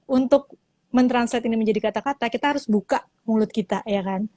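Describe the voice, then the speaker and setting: A woman teaches public speaking in an easy, chatty way, acting out examples as she goes. Her voice sits a touch high, and the phone mic gives it a close, dry sound with no room around it. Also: fast, mellow, no room sound. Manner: explanatory, acts out examples with varied intonation. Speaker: public speaking lecturer, guest. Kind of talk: casual instructional chat on a live stream. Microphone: live-stream phone mic.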